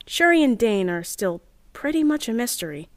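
An actress playing an eager, nervous young rocket chemist who talks in chatty, earnest asides in an audio drama diary. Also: female voice, a little high, big pitch swings, moderate pace, dry recording, studio quality. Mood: earnest, hopeful.

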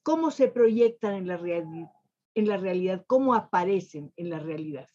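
An older woman interviewer with a mellow, slightly husky voice, speaking in polished, lyrical phrases. She comes through a video call from her home library. The audio is muffled and lo-fi. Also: fairly low pitch, expressive, moderate pace. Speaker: interviewer and host. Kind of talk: warm formal television interview.

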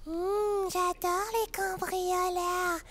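A man doing a sultry high breathy woman. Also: flat delivery, very slow, a crowd in the background, exaggerated voice. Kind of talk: voice demo character acting.

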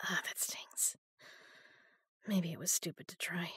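A frightened woman locked in a prison cell, voiced by a woman in an audio drama. Her husky, breathy voice is slow and dry, recorded close to the mic in a dead room. She moves between weary hushed talk and desperate pleading. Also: fairly low pitch, steady tone, dry recording, whispered. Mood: hushed despair. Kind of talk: first-person sci-fi audio drama.

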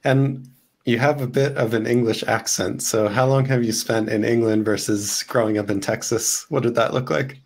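A man's voice: mid-range voice, steady tone, moderate pace, creaky. A man in his thirties hosting an interview over a video call from his home office, talking with energy. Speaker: host. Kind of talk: upbeat interview host, reads sponsor ad.

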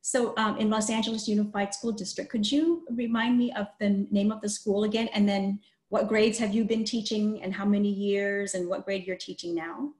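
Speaking from a small room on a video call, a middle-aged host interviews an author during a read-aloud session. She has a medium-pitched, slightly mellow voice with a steady tone, talking at normal speed and pausing little. The computer mic gives the call a spacious, echoing sound.

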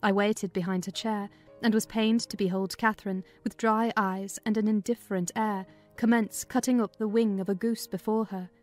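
A woman reads a dramatized storybook narration in a medium-pitched voice. Faint music plays behind her. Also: steady tone, normal speed, few pauses, a little mellow. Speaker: audiobook narrator.

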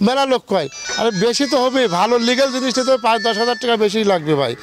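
A middle-aged dairy farmer man from Bangladesh, pitching his cows in quick, insistent casual talk, recorded in a cattle shed. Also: lively intonation. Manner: rapid, insistent, ends phrases with "bhai". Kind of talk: casual on-site sales talk.

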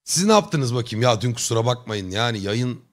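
A male streamer talks loosely to his chat, joking and rambling in friendly slang. His voice sits at an ordinary middle pitch, and he keeps the tone of a relaxed, unscripted live chat. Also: a little fast. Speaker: live streamer chatting with viewers. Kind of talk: casual chat.

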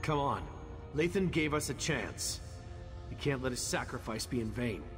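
An actor playing a determined young warrior companion who speaks earnestly and urgently in a video game. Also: male voice, mid-range voice, animated, normal speed, natural voice. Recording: long reverb with game music.

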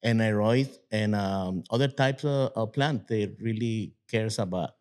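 Interviewed casually as a guest, a nursery owner in his fifties from Guatemala, Spanish-speaking by birth, describes his plant nursery in halting, broken English. He has a lowish voice with a darkish tone.

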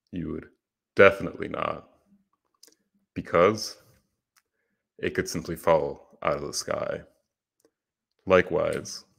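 A young man from Puerto Rico giving a prepared conference presentation, earnest and steady, speaking into a headset in a small room. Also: very deep voice, vocal fry, breathy edge. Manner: earnest, steady explanatory delivery.

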